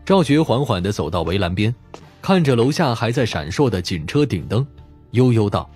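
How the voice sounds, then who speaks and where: Audiobook narrator, male, dramatic scripted delivery, breathy edge, widely moving pitch. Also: big pitch swings, normal speed, a little mellow, faint music behind.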